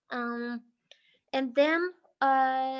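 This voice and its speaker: Against a quiet background, a woman with a Norwegian accent speaks at a high pitch with fairly even intonation. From Norway. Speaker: singer. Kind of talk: interview. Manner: halting.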